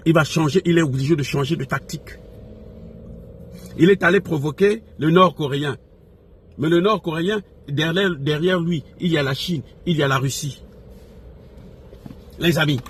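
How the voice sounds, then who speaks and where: A man from Africa gives impassioned off-the-cuff political commentary, emphatically repeating phrases and posing rhetorical questions to his followers. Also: a little high. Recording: noisy recording with background ambience.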